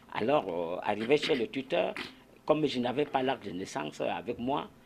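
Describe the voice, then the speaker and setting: A man with a medium pitch and vocal fry speaks at a moderate pace, his pitch swinging very widely. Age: 70s. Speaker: veteran runner. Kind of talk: TV interview. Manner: halting.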